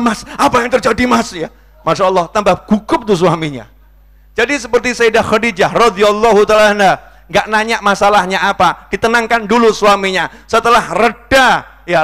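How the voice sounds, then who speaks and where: High, forceful male preacher, mosque sermon. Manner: swings between loud raised exclamations and soft low asides; playful, jokes with the congregation. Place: mosque congregation.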